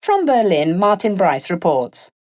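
A woman's voice: mid-range voice, very animated, a little slow, darkish tone. A woman playing a polished radio news announcer, reading a scripted introduction in a composed manner. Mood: composed, informative. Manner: clear, composed newsreading.

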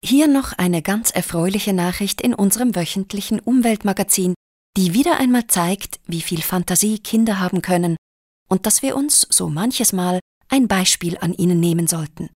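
A woman's voice: mid-range voice, normal speed, darkish tone, no room sound, clean studio sound, lightly acted. A woman playing an upbeat radio magazine presenter, reading a scripted report articulately.

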